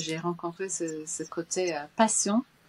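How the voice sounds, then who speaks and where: Speaking with a British accent, a woman has a fairly low-pitched voice. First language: English (speaking French). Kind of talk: testimony interview. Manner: halting, many hesitations.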